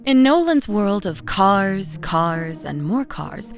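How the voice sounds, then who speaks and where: Tired loving mom telling a creepy first person story, close and expressive, music under it. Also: female voice, mid-range voice, slow. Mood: tender, uneasy. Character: weary, devoted young mother recounting an unsettling night. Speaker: narrator of a horror audio drama. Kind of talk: first-person scripted horror narration. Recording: voice over music bed.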